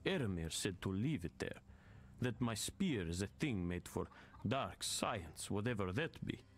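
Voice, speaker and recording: Animated tribal spear hunter, broken English. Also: male voice, on the low side, a little slow. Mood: proud storytelling. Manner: broken English, simple short declarations. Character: boastful tribal spear hunter and storyteller man. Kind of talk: video game character dialogue.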